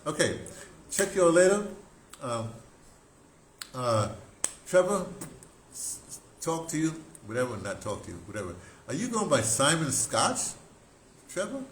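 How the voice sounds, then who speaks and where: Older american guy rambling excitedly thru old stories, repeats himself a lot, roomy echo and noise behind him. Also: fairly high pitch, a little slow, long pauses. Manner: excitable, animated storyteller with broken, repetitive phrasing. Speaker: radio drama producer and talk host. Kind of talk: casual rambling reminiscence.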